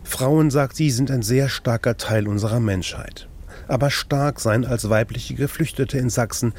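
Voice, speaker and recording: Man, radio feature narration, measured and even, light background noise. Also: medium pitch. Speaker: radio reporter. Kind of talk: scripted radio report narration.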